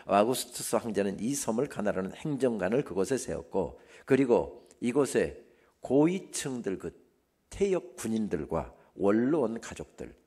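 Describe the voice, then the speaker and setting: A man preaching as a guest pastor at a church revival meeting, moving between hushed, near-whispered phrases and loud, rising climaxes. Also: on the low side, husky. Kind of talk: sermon. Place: church sanctuary.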